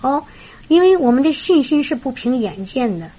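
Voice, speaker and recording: A woman preaching through a lively story, chatty and full of fillers. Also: high voice, moderate pace, slightly rough, dull audio. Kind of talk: storytelling sermon.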